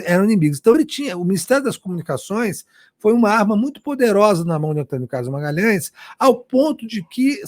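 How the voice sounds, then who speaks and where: A man's voice: high voice, no room sound. A Brazilian man, a journalist answering interview questions passionately, often restarting and repeating words. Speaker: journalist guest.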